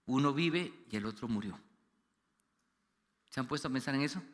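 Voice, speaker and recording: A man preaching a sermon as pastor, animated, acting out quoted voices and dropping low and quiet for serious stories. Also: moderate pace. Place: church hall. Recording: long church reverb.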